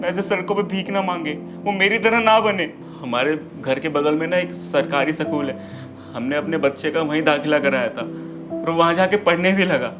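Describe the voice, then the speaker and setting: An actor playing a poor beggar who humbly pleads for work, in a web drama. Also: male voice, a little high, close to an everyday voice.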